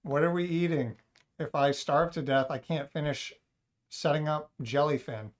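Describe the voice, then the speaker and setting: A man's voice: a little high, steady tone, normal speed. Casual male streamer, joking, rambling, chatting with viewers. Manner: joking, rambling, talks to chat and cat. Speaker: livestream host. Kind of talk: casual livestream chat.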